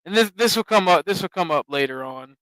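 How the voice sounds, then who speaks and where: A man with a Southern US accent talks over a clip on his stream, animated and mocking. His voice sits a little high and sounds bright and smooth, recorded dry and close. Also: a little fast, dry recording, rough recording. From American South. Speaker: streamer host. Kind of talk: casual stream commentary.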